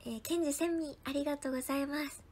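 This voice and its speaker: A young woman chats casually on a livestream, thanking viewers by name and slipping into soft whispered asides. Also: high voice, fairly even intonation, racing. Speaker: idol livestreamer. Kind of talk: casual livestream chat reading viewer comments.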